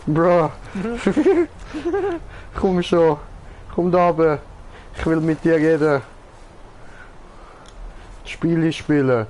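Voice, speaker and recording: A man's voice: on the high side, flat delivery, takes it slowly, long pauses, a little mellow, slight background noise. A man streaming a game, chatting casually, joking and often laughing. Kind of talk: casual gaming chat.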